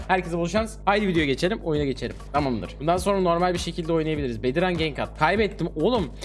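A young man hosting a gaming stream with casual, slangy, complaining commentary and banter. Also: high voice. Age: young adult. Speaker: streamer and video host. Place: small indoor streaming room. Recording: music behind the voice. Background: music.

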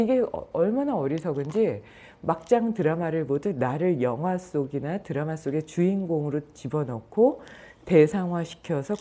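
A woman's voice: low voice, husky. A woman yoga and meditation teacher giving a spoken lecture, acting out everyday examples and chuckling between points. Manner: animated storyteller who acts out everyday examples.

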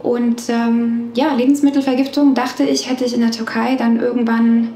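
A woman's voice: fairly high pitch, level tone, moderate pace, dark tone. Candid woman in an echoey room. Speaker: vlogger. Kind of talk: casual storytelling to camera. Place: small bright treatment room.

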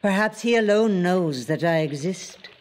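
A woman's voice: fairly low pitch, expressive, measured pace, a little mellow. A woman playing the possessive, capricious spirit of a lake in a poetic audio drama, speaking in an intimate, incantatory way.

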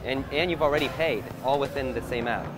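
A brisk, mid-range male voice belongs to a man in his thirties reporting on location. He chats with curiosity while strolling through a large supermarket with a handheld camera, as background music plays.

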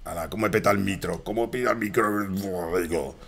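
A man with a Spain Spanish accent, commenting live on a horror game he is playing, with frequent swearing and excited outbursts at enemies and chat. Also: deep voice, fast talker, vocal fry, slight background noise. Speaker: streamer.

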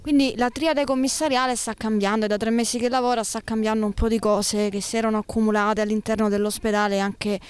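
A woman reporter asking direct, brisk questions during on-site interviews. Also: fairly high pitch, steady tone, clean tone, no echo. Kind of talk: news interviewer.

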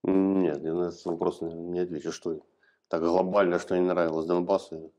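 A man in his thirties from eastern Ukraine, giving hesitant, halting answers in an interview in a small office, recorded on a lapel mic. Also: low voice, little pitch movement, mellow, dull audio. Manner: hesitant, halting, plain-spoken. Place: small office room, indoors. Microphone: clip-on lapel mic.

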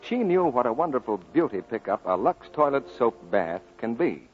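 A man's voice: mid-range voice, sing-song, normal speed. A man announcing in the style of a 1940s radio commercial. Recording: muffled old 1940s radio recording.

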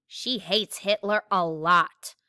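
A woman's voice: lowish voice, slow pace, bright, forceful tone, clean tone, no echo, studio quality. A woman voicing a blunt, curious young tomboy girl with earnest questions in a read-aloud novel.

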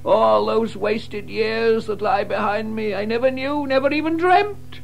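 Casting: grandiose, reckless gentleman toad, creaky and drawn-out, dreamy, for children's audio drama. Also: high-pitched, slight background noise, exaggerated voice. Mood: rapturous. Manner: grandiose, dreamy, savouring each phrase. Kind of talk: full-cast children's audio drama acting.

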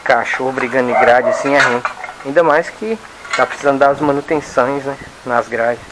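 A man's voice: mid-range voice, normal speed. Chatty man, noisy yard. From Brazil. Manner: chatty, talks to the dogs in a coaxing, scolding voice. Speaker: dog owner vlogger. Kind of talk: casual running commentary while working. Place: outdoor yard with dog kennels.

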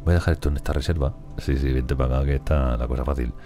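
Talking very fast in a rumbling low, mellow voice, a gaming streamer with a Spain Spanish accent rambles and chats through casual let's play commentary, addressing his colonists directly.

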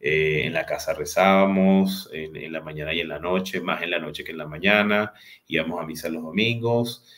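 A man in his forties with a Venezuelan accent, telling his life story as a guest on a video call, unhurried and full of hesitant fillers. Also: low-pitched, a bit bright. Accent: Venezuelan Spanish. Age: 40s. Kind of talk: personal storytelling in an interview. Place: home room with a large window. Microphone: video call webcam.

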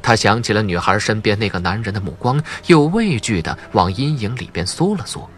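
A man's voice: lowish voice, expressive, fairly quick, slight background noise. A man narrating a suspense novel as a dramatic scripted audiobook. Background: faint music.

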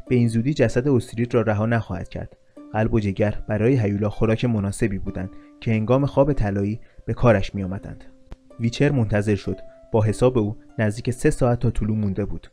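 A man narrating a fantasy story in a steady, measured reading. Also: on the low side. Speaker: audiobook narrator.

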